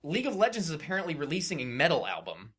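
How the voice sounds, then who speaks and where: A man with a bright, forceful voice that sits a little high and moves around a lot in pitch. He hosts a gaming podcast in loose, casual banter. His delivery is joking and peppered with swearing. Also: wildly swooping pitch, racing, breathy edge. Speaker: podcast host.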